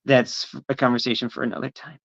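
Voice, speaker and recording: A trans woman speaking as a podcast guest, hesitant and soft-spoken with frequent ums. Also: extremely low pitch, flat delivery, fast, highs cut off. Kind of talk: casual podcast conversation.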